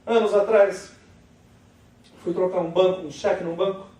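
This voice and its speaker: A Brazilian man, a pastor, preaching a sermon with a Brazilian Portuguese accent, swinging between loud declarations and quiet storytelling. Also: sits high, steady tone, moderate pace. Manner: preaching loudly, then drops to a quiet storytelling voice. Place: large church hall. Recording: echoey church hall from far off, faint noise.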